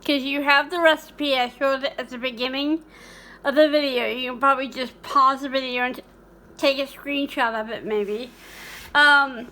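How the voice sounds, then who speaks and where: A woman with a bright, high voice hosts a cooking channel and chats casually in a vlog. She rambles with many fillers and restarts, and she keeps hiccuping.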